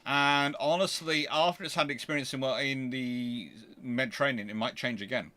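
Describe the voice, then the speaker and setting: A British man hosting a casual question-and-answer chat, talking in a rambling, halting way and often interrupting himself. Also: medium pitch. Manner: rambling, halting, animated anecdotes with self-interruptions. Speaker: host answering viewer questions.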